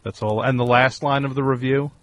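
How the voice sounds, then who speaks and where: A man in his forties hosting a call-in radio show, teasing a caller with mock indignation and a deadpan delivery. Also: mid-range voice, brisk. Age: 40s. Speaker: radio host. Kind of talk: sarcastic call-in radio banter. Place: radio studio.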